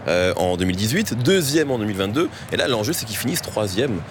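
A male host who talks quickly and jumps up and down in pitch. He steers the chat and teases his guests, with some faint noise behind him. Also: big pitch swings. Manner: joking, teasing guests. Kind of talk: casual chat while watching a match.

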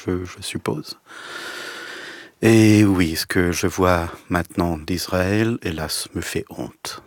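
A man in his forties with a notably low voice, talking in French in an interview. He speaks with frequent hesitations and restarts, reflective and unhurried, in a dry, close recording. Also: dry recording. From Israel. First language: Hebrew. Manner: hesitant, many fillers and restarts. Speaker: guest writer.

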